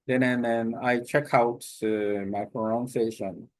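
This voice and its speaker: Halting man, slow and hesitant. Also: medium pitch, steady tone, no echo. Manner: halting, many fillers and restarts. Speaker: language learner. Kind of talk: casual self-recorded talk.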